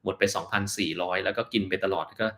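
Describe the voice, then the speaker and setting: A Thai doctor answers viewers' health questions on a casual live stream, blunt and offhand, and sometimes mocking in quoted asides. His voice is low-pitched, fast, and a bit bright.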